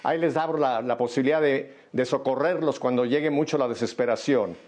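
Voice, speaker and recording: A man's voice: medium pitch, fairly quick, a little mellow. An older man hosting a Spanish-language radio interview, chatty and jovial. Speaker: radio host. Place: studio in Miami.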